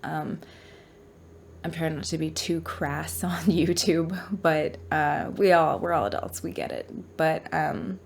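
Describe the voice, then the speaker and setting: A woman's voice: deep voice, takes it slowly, vocal fry, slight background noise. A woman with a stuffy voice from a cold, chatting frankly to viewers about a true crime case. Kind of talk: casual talk to camera.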